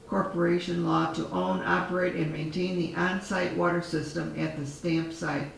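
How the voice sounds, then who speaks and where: A man on a town board reading a formal resolution aloud in a measured way, losing his voice, recorded in a town hall. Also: sits high, gravelly. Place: town hall meeting room. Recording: echoey hall, far from mic, faint noise.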